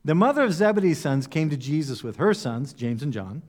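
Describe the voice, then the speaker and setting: A man's voice: fairly high pitch, sing-song, brisk, a little mellow, in a large hall. A man preaching a conversational sermon, putting rhetorical questions to his listeners. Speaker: pastor.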